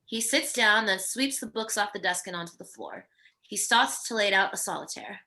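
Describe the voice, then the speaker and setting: A woman's voice: mid-range voice, normal speed, pushed and bright. A woman narrating stage directions from a screenplay at a virtual table read.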